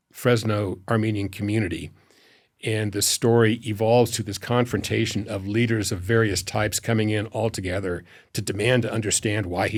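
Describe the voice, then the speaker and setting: A man with a fairly low voice answers as an interview guest. He talks reflectively and in a measured way, pausing as he lays out anecdotes. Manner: measured, anecdotal storytelling with pauses. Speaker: foundation president, interview guest.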